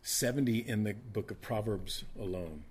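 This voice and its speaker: A man's voice: lowish voice, moderate pace, darkish tone, slightly rough. A man in his fifties preaching a casual, conversational sermon, often restarting and repeating words. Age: 50s. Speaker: pastor.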